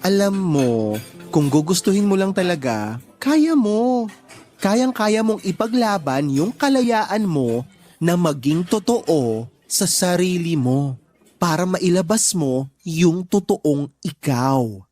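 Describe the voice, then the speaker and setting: An actor playing a sassy, lovestruck young gay person in a Tagalog radio drama, with campy, expressive delivery. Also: male voice, sits high, slow. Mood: encouraging. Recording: music bed behind the voice.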